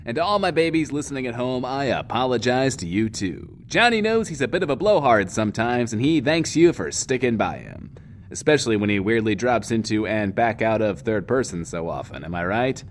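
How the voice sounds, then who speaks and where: An actor playing a self-important, wordy, lonely radio host in a post-apocalyptic bunker, in an audio drama. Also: male voice, medium pitch, animated, a little fast, slight background noise, close to an everyday voice. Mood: wistful, apologetic. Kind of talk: in-world radio show monologue, audio drama.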